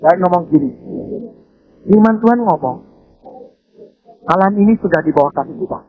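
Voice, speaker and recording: A man's voice: sits high, moderate pace. A man with an Indonesian accent preaching a sermon as a pastor, telling stories and acting out what people said. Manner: animated storytelling preacher, acts out quoted speech. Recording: dull lo-fi sermon audio.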